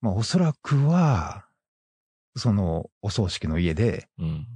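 A somewhat breathy, dark, mellow voice with very wide pitch swings, dry with no echo, over a quiet background. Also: man. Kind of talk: storytelling. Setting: campsite by a lake at night. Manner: hushed, quiet tone for campsite quiet hours. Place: forest.

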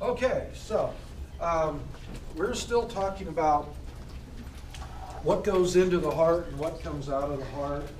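Speech comes at a fairly slow pace, with audible echo in the room and light noise in the background. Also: man. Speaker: lecturer. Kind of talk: lecture. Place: classroom. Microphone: camera far.

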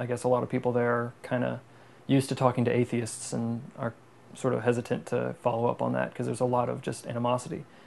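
Someone with a Midwestern American accent speaks at a fairly quick pace. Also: man. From US Midwest. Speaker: university student. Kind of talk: testimony. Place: office.

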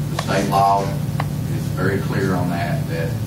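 Loud background noise and audible room echo surround the recording. A man speaks at a moderate pace. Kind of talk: meeting remarks. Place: hall. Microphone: camera far.

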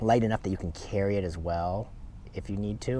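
A moderate speaking pace with light noise behind it. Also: dry sound with no echo. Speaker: product reviewer. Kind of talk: casual review walkthrough. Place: open country. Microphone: phone near.

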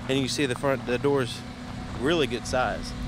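Recorded with a dry sound, no echo, and noticeable background noise, a man speaks at a fairly quick pace. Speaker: car reviewer. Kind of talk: casual walkaround commentary. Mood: upbeat, enthusiastic. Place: open country.

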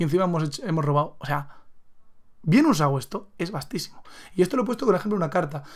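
Speaking very fast in a Spanish accent, the voice has an animated tone and lively intonation. The background is quiet. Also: man, high pitch for a man. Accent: Peninsular Spanish. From Spain. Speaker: gaming youtuber. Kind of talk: card game analysis video. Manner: animated, casual. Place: home room.

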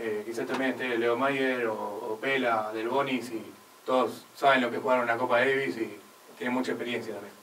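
Delivered at a moderate pace, the voice holds a monotone, flat intonation over light background noise. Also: man. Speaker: journalism student on air. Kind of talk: radio sports talk show. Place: studio.

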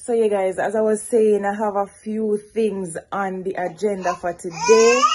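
Noticeable noise sits behind the voice. She speaks fairly slowly. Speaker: parent vlogger. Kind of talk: casual vlog chat. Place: home room. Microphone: phone near.

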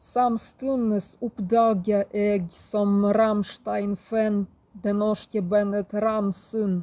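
A woman speaks very slowly in a dark, mellow tone. Her intonation is monotone and flat. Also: medium pitch for a woman, dry, close sound with no echo. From Russia. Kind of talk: casual vlog talk to camera.

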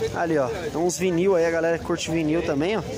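This man talks at a fairly quick pace, with crowd noise in the background. The sound is dry with no echo. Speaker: vlogger. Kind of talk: casual vlog chat. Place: market. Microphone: phone near.

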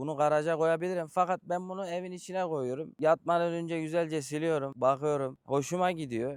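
This man has a normal speaking voice, fairly high in pitch, with fairly even intonation. He moves at a moderate pace with hardly any pauses. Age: 20s. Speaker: motorcycle vlogger, former lathe operator. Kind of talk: casual Q&A chat.

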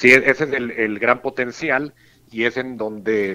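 Talking at a fairly slow pace, a man with a medium pitch speaks in monotone, flat intonation. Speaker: mortgage finance executive. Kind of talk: radio interview. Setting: phone call.

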